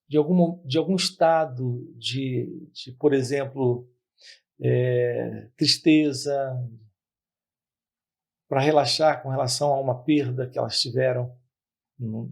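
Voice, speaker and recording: Male spiritual teacher, gravelly and husky, slightly high, measured teaching talk to camera. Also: a little mellow. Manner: measured, repetitive phrasing with pauses.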